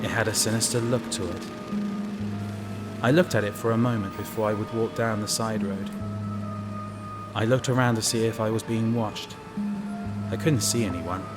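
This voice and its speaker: A man's voice: fairly low pitch, steady tone, moderate pace, pauses often, loud music behind the voice, lightly acted. A man playing an uneasy utility inspector alone in the sewers, narrating an audio drama and musing to himself. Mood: brooding, watchful narration. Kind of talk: first-person narrated audio drama with muttered asides.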